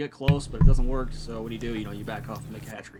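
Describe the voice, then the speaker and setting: A man with an animated tone, music playing in the background. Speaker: esports caster. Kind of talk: live commentary. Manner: stuttering from upload lag; casual, animated. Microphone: sound problems, upload speed lag.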